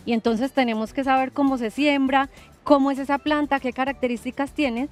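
A young woman hosting a TV gardening show, talking calmly outdoors in a garden with a few fillers. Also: sits high, brisk, soft background music. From Colombia. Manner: calm, explanatory, with fillers. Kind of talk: relaxed TV show conversation.

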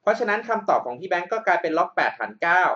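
A male math tutor talks through a problem on a screen recording, patient and methodical, often checking that the listener is following. His voice sits a little high for a man. The audio is dull and lo-fi, like a cheap desktop mic. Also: lively intonation, quick pace, bright, forceful tone. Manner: patient, explains step by step and checks understanding.

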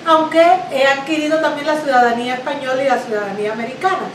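A middle-aged woman with a Cuban accent talks viewers through a recipe in her home kitchen, her voice sitting high and light. She is chatty and homely, sprinkling in little diminutives. The room rings with an echo, and a faint hum sits underneath. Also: fairly even intonation, quick pace. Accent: Cuban Spanish. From Cuba. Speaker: cooking show host. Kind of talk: home cooking demonstration. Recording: roomy kitchen echo, faint background noise.

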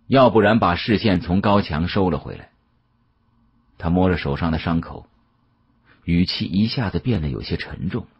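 Low, very husky male storyteller. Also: expressive, normal speed, long pauses, lo-fi sound. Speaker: audiobook narrator. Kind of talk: dramatic first-person mystery novel narration.

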